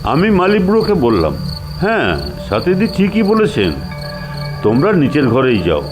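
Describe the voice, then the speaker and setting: A man's voice: on the high side, huge pitch swings, moderate pace, music in the background. A man narrating a dramatised first-person story, expressively acting out its dialogue. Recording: noisy track with cricket and insect sounds.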